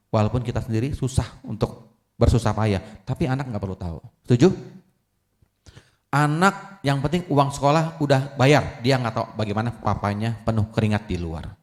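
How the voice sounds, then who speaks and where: A man in his forties preaching a Buddhist sermon in an ordinary, middle-pitched voice. His delivery is lively, and he keeps turning to the congregation to ask if they agree. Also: moderate pace. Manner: lively, keeps asking the audience "betul nggak?". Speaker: Buddhist Dharma speaker.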